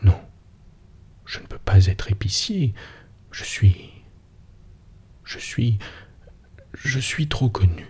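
A man's voice: lowish voice, animated, slow, long pauses, darkish tone, exaggerated voice. Man whispering as a drunk, bashful old tutor in whispered role-play. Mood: flustered. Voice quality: breathy near-whisper. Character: drunk, bashful older male Latin tutor.

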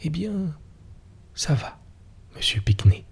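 A man voicing a lively, teasing young woman in a breathy near-whisper, as whispered role-play. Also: a little high, slow, pitched above the performer's own voice, exaggerated voice. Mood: coy.

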